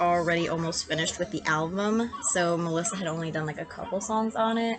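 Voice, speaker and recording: The intonation is lively and the pace very fast, with noticeable background noise behind it. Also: woman. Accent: slight Southern US. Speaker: beauty YouTuber. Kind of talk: chatty get-ready-with-me vlog. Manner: casual, filler-heavy.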